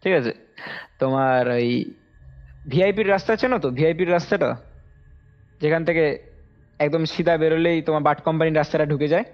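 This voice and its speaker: On a call, a young man with a fairly high voice tells a personal story at normal speed, pausing often. He rambles, repeats himself, and animatedly acts out what people said. Music plays beneath the dull, lo-fi recording.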